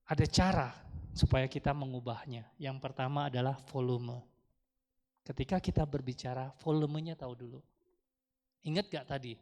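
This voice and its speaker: A man's voice: mid-range voice, steady tone, normal speed, pauses often, darkish tone. A man with an Indonesian accent giving a chatty Dharma talk to a congregation, often asking the audience questions. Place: large temple hall. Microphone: handheld microphone through speakers. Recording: long hall reverb from speakers.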